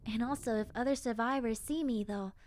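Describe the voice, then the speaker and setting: A woman voicing a friendly, gentle, wistful young zombie girl in a roleplay monologue, speaking softly and hesitantly with childlike sincerity. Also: on the high side, brisk, a little hiss or hum, voice pushed up, natural voice. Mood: gentle, apologetic. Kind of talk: roleplay audio drama monologue.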